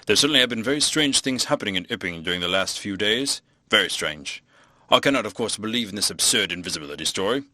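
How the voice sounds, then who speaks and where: A man voicing a fussy, evasive, pompous vicar in an audiobook, with measured, drawn-out phrases. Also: fairly low pitch, expressive, sharp tone, no echo. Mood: pompous scepticism.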